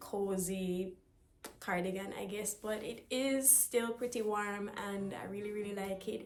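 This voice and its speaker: Against audible room echo, a woman talks in a medium pitch with monotone, flat intonation. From Jamaica. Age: 20s. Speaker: lifestyle content creator. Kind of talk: tutorial.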